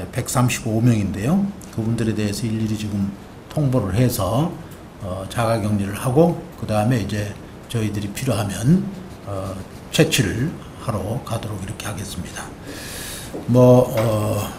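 Amid noticeable background noise, a man with a fairly low pitch and ordinary pitch variation talks at a fairly slow pace with long, frequent pauses. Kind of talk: official press briefing. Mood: serious, measured. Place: meeting room. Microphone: podium.

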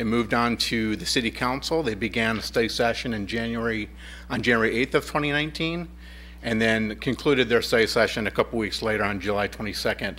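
With a bright, sharp tone and ordinary pitch variation, a man speaks at a fairly quick pace. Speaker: city planning staff. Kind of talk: project presentation at public meeting. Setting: council chambers meeting. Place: hall.

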